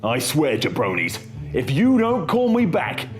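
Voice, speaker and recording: A man's voice: a little high, huge pitch swings, measured pace, loud music behind the voice. Brash man leaving a voicemail. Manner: brash, pompous and demanding. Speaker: comedy show host. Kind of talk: comic sketch.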